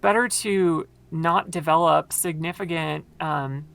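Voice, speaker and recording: A woman with a very low voice, explaining at length in casual conversation with many fillers, her voice tired from long talking. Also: a little slow, vocal fry, fairly bright tone. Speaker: podcast guest.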